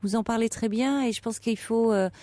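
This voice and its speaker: A woman hosting a late-night radio call-in show who gives a caller advice in a calm, gentle, reassuring way. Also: on the high side, a little fast, dry recording. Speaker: radio host and psychologist. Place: radio studio. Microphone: studio mic.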